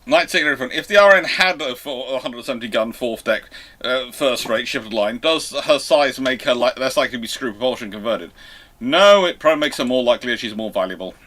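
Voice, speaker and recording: A man with a bright, forward voice at an average pitch. He talks casually as the host of a livestream panel, fielding questions in loose conversation. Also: animated, fairly quick. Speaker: host of a live naval history Q&A.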